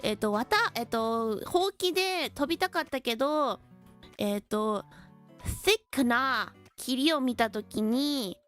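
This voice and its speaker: A woman with a high, light voice teaches English vocabulary on a stream, switching between slow, deliberate English and quick casual Japanese. She answers chat with easy laughs, and faint music plays behind her. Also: fairly bright tone. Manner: chatty, laughs often, reads chat comments. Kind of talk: bilingual English lesson stream.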